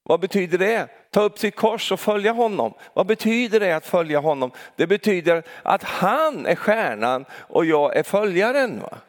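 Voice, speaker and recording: Guy preaching, keeps asking the crowd questions, lively sermon. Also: high voice, few pauses. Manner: lively, talks straight to the congregation with rhetorical questions and tag "va?".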